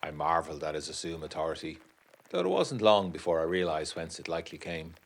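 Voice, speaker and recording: A deep-voiced gentleman of the 1920s, narrating a gothic audio drama letter. He is formal and measured, with an educated, literary turn of phrase and an undercurrent of unease. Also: expressive, creaky, heavily acted. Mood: sombre, descriptive.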